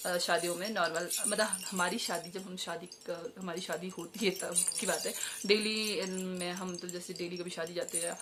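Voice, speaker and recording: A woman's voice: lowish voice, steady tone, moderate pace, few pauses. Chatty young woman, noisy home vlog. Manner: chatty, hesitant with many fillers and self-corrections. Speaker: vlogger. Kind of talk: casual show-and-tell vlog. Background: jingling jewellery and bells.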